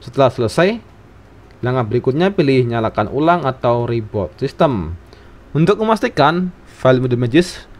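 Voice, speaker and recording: A man's voice: medium pitch, normal speed, long pauses. Man narrating a phone tutorial. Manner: steady, step-by-step instructional reading. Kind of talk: scripted tutorial voice-over. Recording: voice-over with faint background music.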